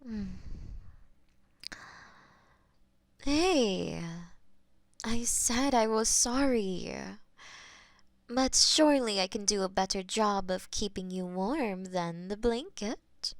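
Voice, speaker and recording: A woman voicing a possessive, teasing female demon of war in an intimate audio roleplay, with soft breathy whispers. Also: medium pitch, no echo, studio quality. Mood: tender whispering. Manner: teasing, possessive, slow and drawn-out.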